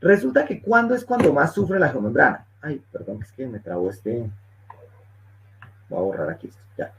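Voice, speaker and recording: A man's voice: mid-range voice, expressive, normal speed, creaky, slight background noise. A male engineering instructor giving a technical webinar lecture, explaining step by step and checking in often with his listeners. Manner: explanatory, checks in with frequent "¿listo?". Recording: muffled lo-fi webinar audio.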